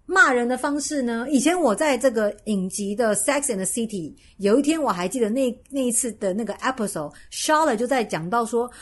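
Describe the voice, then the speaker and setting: This is a woman co-hosting a podcast, talking casually. She speaks at a quick clip in a slightly husky voice, animated as she acts out the lines she quotes. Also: on the high side. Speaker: podcast co-host. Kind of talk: casual chat.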